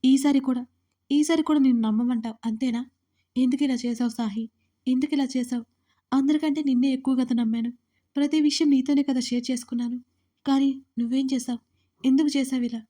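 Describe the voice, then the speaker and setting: A hurt young woman in an audio drama, reproachful and close to tears, read by a woman. Her voice is a touch high with a soft, mellow tone. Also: steady tone, a little fast, natural voice. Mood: betrayed. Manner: tearful, reproachful.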